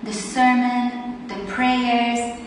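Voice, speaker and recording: A woman in her thirties from Hungary tells her own story in a candid, reflective way, her voice pitched a bit high. She sounds far from the mic, in a hall with long reverb and faint noise underneath. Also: level tone, extremely slow. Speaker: testimony speaker. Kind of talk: personal testimony.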